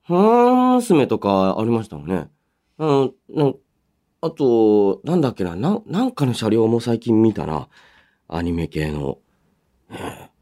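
Animated man hosting a radio show. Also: on the low side. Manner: animated storytelling with sound-effect words and casual asides. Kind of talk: solo radio chat reading listener mail.

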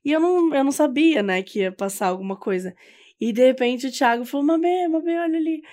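A woman with a Brazilian Portuguese accent co-hosts a podcast in lively, playful conversation. Her voice is fairly high, and she grows excited as she shares news. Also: a little fast. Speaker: podcast co-host. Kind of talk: casual chat.

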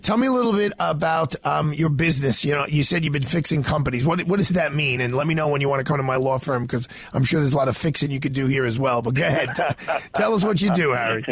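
A man's voice: a little high, quick pace, few pauses, husky, dry recording. A man hosting a radio talk show, chatty and joking, often restarting his sentences. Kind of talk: casual interview.

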